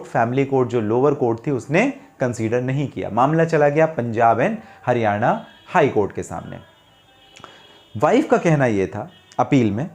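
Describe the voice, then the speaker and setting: A man's voice: fairly high pitch, darkish tone. An Indian man hosting a legal advice talk, explaining things didactically to viewers, posing questions and then answering them, with English legal terms mixed in. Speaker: legal advice channel host explaining law.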